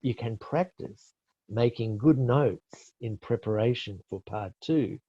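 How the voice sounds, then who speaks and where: In a webinar, a middle-aged Australian man shares IELTS tips as an expert presenter, teaching and answering questions. His medium-pitched voice moves slowly with a breathy edge, and he explains patiently, correcting himself amid many fillers. The webinar call mic gives a dry, dull lo-fi sound.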